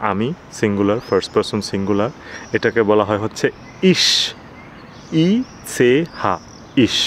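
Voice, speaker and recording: A man teaching German pronouns in a patient, explanatory lesson, spelling each word slowly and often checking with "okay?". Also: lowish voice, a little hiss or hum.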